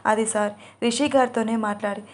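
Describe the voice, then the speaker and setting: Female narrator playing frightened pregnant young woman, pleading, flat delivery, audio story. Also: on the high side, a little fast, close to an everyday voice. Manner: pleading, anxious.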